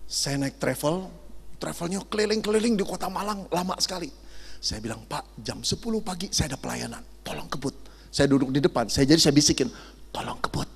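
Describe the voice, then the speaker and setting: A middle-aged man, a pastor, preaching a lively sermon full of jokes and acted-out stories. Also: on the high side, creaky, husky. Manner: animated, jokey, acts out dialogue and sound effects. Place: large hall at a youth camp. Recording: long hall reverb.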